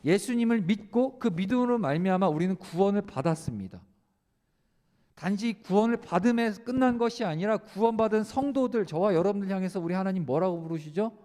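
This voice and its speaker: High-voiced man preaching in a reverberant church. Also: expressive, fairly quick, warm tone. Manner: conversational, asks the youth questions and answers them, many "uh" fillers. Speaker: preacher to a high school youth service. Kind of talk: sermon. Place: church sanctuary. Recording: long hall reverb.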